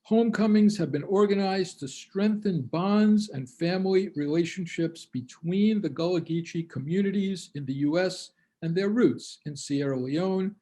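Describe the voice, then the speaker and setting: A man narrating a travel lecture over slides, in measured phrases that often start on a lift and settle down. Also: high-pitched, dark tone.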